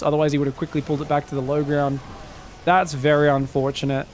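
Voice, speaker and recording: A man casting a strategy game on his own, excitable on big plays and analytical in replays, his voice phlegmy after being sick. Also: fairly high pitch. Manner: excitable, shouts on big plays, then breaks down mistakes. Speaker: esports caster. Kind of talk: solo game commentary.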